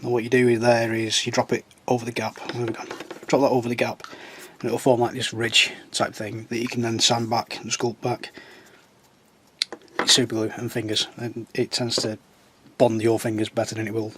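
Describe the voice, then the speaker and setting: A croaky man talks through a scale-model build in a loose, self-mocking way. His voice sits in an ordinary middle range. The recording is noisy, with plastic crinkling behind him. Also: mid-range voice, completely flat delivery, moderate pace, fairly bright tone. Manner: rambling, self-mocking, chatty. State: croaky from a sore throat. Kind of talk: casual how-to chat.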